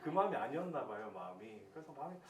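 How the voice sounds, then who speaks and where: A pastor in his thirties giving a sermon as lively storytelling, acting out his own prayers. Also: medium pitch, rapid-fire. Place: church hall. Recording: echoey church hall, distant mic, faint hiss.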